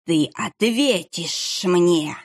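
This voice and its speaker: A woman voicing a cruel, sinister monk who hisses his words slowly. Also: fairly low pitch, animated, full character voice. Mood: menacing hiss. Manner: hissing, slow and drawn out. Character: sinister hooded male monk, menacing and cruel.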